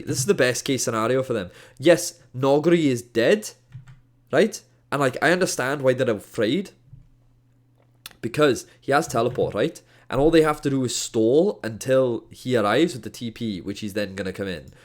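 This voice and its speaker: Jokey Welsh-accented male game caster. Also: mid-range voice. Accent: Welsh, with a hint of Scottish. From Wales. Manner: exasperated, jokey, slangy. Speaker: esports caster. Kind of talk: casual game review commentary.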